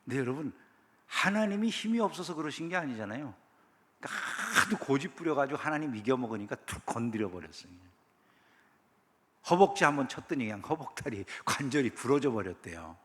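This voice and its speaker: A man's voice: medium pitch, lively intonation, a little fast, fairly bright tone, big-room sound. A man preaching a sermon as pastor, talking conversationally and often asking the congregation questions. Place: church sanctuary.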